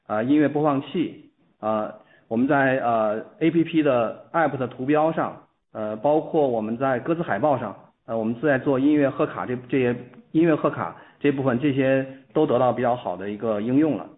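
A male company executive gives an unscripted answer on an earnings call. He speaks haltingly, repeating and restarting phrases, at an ordinary male pitch. The sound is a thin, muffled phone line.

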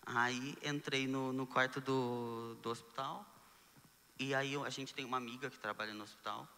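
A young Brazilian man, a guest telling his story in a casual conversation, animated and acting out the dialogue he quotes. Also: medium pitch, normal speed, big-room sound. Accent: Brazilian Portuguese. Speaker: guest sharing testimony.

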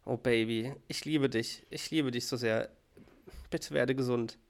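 A man's voice: mid-range voice, fairly even intonation, a little slow, smooth, lightly acted. A man reading the part of an exasperated wife who scolds her husband with sarcasm, in a podcast read-through of a sitcom scene. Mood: pleading.

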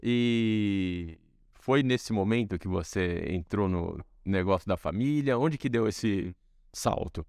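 A man's voice: on the low side, slow, darkish tone, smooth, dry recording, studio quality. A man hosting a podcast, upbeat and informal as he thanks listeners and asks the guest questions. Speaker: podcast host.

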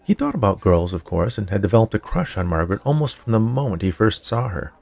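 Male storyteller for a fiction podcast: deep, fry-edged voice, measured scripted narration. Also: sing-song, a little mellow. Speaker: writer, narrator and podcast producer.

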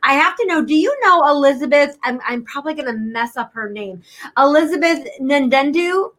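A woman hosting a podcast, bubbly and excitable, chatting with her guest over a video call. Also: high voice. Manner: bubbly, excitable, quick laughs. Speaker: podcast host. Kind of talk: casual interview chat.

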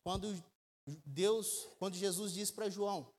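Pastor preaching in an echoey hall. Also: male voice, high-pitched, measured pace. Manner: emphatic preaching with rhetorical questions, swinging between loud and quiet. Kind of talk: sermon. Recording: echoey church hall with long reverb.

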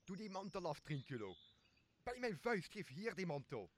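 A man's voice: high-pitched, very animated, normal speed. Man as bossy, pompous drunken would-be king. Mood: commanding. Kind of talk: radio play acting of Shakespeare.

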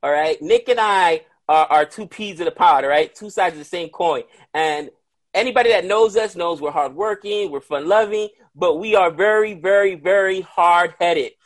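A man from the Dominican Republic, a podcast guest on a video call, telling a story in animated, casual chat with loud outbursts. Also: high-pitched.

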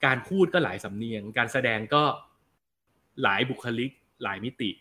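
Bright-voiced man chatting about films. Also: mid-range voice, moderate pace. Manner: relaxed, chatty, slangy, reads out viewer comments. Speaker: film review show host. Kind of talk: casual film review chat answering viewers.

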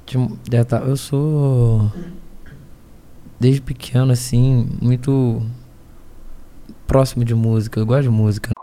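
A man in his thirties with a Rio de Janeiro accent, a rap battle MC talking slowly as a podcast guest, hesitant and full of slang fillers. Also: medium pitch, steady tone, mellow. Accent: Carioca Brazilian Portuguese. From Niterói, Rio de Janeiro, Brazil. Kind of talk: casual interview chat.

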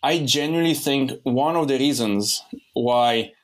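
Young male podcast host from Lebanon, casual and meandering, mid pitch. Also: unhurried. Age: young adult. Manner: rambling, many restarts and fillers. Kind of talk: casual conversation.

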